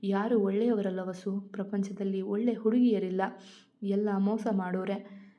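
A woman's voice: mid-range voice, steady tone, measured pace, close to an everyday voice. A woman reading as a hot-tempered young grandson. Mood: pleading. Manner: shouts at family, then pleads softly. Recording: dull lo-fi recording.

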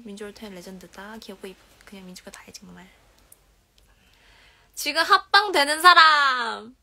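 Young woman with a regional korean accent livestreaming from her bedroom on a phone, soft and whispery, bright voice. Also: fairly high pitch. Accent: Korean regional dialect. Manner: soft-spoken, drifts into whispers and giggles. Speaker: idol livestream host. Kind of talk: casual livestream chat reading comments. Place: dim bedroom, indoors. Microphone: phone held at arm's length.

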